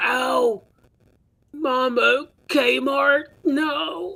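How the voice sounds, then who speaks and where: A female-sounding, high-pitched voice performs a put-on character voice. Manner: gurgling, pained.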